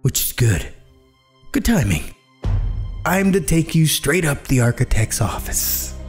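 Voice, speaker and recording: Wildly swooping, gleefully sadistic tormentor. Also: male voice, fairly high pitch, sing-song, faint music behind. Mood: gleeful taunting. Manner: drawn-out, taunting. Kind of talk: audio horror drama acting.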